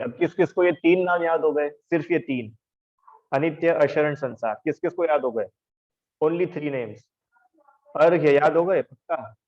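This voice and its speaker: A man's voice: fairly high pitch, dull audio. A man teaching an online religion class, patiently explaining and drilling students by repetition, calling on them by name. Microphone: video call.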